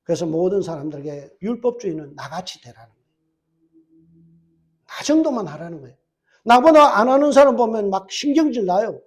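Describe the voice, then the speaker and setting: A man's voice: high voice, animated, fairly quick, pauses often. A male pastor preaching a church sermon, putting rhetorical questions to the congregation and answering them with emphatic, repeated phrases. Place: church service.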